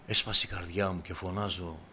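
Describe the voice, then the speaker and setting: A man preaching a sermon to his congregation, breaking into loud cries and then dropping back to a low, quiet voice. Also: steady tone, a little hiss or hum. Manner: shouts in bursts, then drops to a low, quiet tone; addresses the congregation as brothers.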